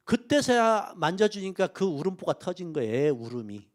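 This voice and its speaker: Emotive middle-aged pastor preaching. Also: male voice, high-pitched, big pitch swings, normal speed. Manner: emotional storytelling, swinging from soft asides to loud emphatic peaks. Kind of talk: sermon. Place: church sanctuary.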